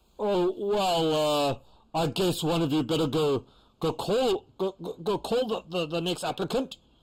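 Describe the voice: In a put-on character voice, a man sounds gruff and high-pitched. He keeps a moderate pace and very even loudness.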